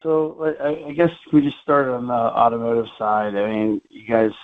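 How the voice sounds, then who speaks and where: A man's voice: mid-range voice, little pitch movement, normal speed. A man speaking as an analyst calling in to an earnings call with casual questions. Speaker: analyst caller. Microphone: phone. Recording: tinny noisy phone line with clicks.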